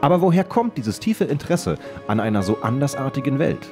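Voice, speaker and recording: With music in the background, a man speaks at a moderate pace in a fairly high pitch, his voice making very wide pitch swings. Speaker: reporter. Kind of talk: documentary voice-over narration.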